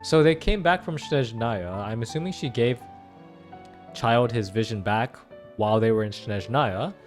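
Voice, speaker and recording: Young dude doing game reaction commentary, slangy fan talk, mid pitch, music in the back. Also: male voice, a little slow. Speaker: gaming reaction creator. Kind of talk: casual play-through reaction commentary.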